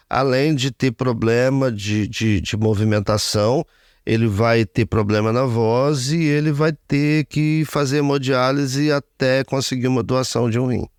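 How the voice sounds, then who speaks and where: Speaking earnestly in an interview testimony, this fifties-aged radio broadcaster returns again and again to his faith. His voice is medium-pitched, in a dry, clean studio recording.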